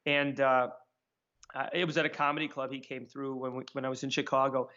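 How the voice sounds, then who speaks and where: A man telling stories in a casual interview, acting out what people said in a higher voice. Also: brisk. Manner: animated, acts out quotes in a higher voice. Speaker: magician guest. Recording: dull lo-fi sound.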